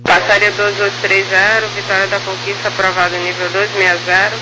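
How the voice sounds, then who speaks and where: A woman air traffic controller reading clipped procedural clearances over a crackly, military-style radio. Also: medium pitch, little pitch movement, a little fast. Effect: radio transmission. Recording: very noisy crackly aviation radio.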